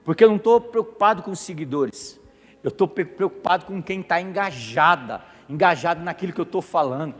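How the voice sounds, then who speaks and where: A man playing Jesus as a calm, firm teacher during a sermon, speaking earnestly with repeated emphasis. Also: a little high, fairly quick, big-room sound, faint music behind, voice pushed down.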